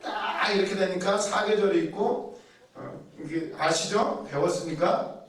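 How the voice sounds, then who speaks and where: Guy preaching a sermon, high voice, chatty, lots of questions, very echoey church from far off. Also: measured pace. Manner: conversational preaching, rhetorical questions, acts out inner thoughts. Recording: very echoey room, heard from a distance.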